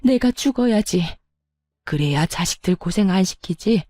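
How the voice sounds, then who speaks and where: A scheming, spiteful older mother-in-law, put on by a woman reading the story. Her tone is mellow and warm, and the recording is dry and close. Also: lowish voice, fairly even intonation, moderate pace, no echo, close to an everyday voice. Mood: fake wailing. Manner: gloating, then fake wailing.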